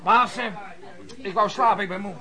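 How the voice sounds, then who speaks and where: An actor in a Dutch radio play voicing a naive, polite young newcomer who speaks hesitantly and questioningly. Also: male voice, sits high, moderate pace, a crowd in the background, close to an everyday voice. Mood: curious, hesitant. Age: young adult. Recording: very noisy old radio play recording.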